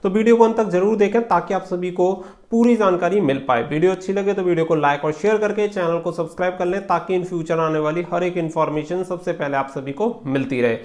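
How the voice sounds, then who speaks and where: A man's voice: high-pitched, brisk, few pauses, darkish tone. A man giving informal exam guidance as a channel host, explaining and repeating points with English terms mixed in. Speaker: exam preparation coach and YouTube channel host.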